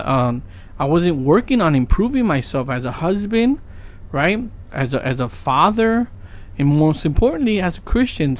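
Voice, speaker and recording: A man's voice: fairly high pitch, darkish tone. A man in his late thirties talking casually and earnestly about his goals, rambling with many fillers and asking "right?" often. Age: 30s. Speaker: podcast host. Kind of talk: casual motivational monologue.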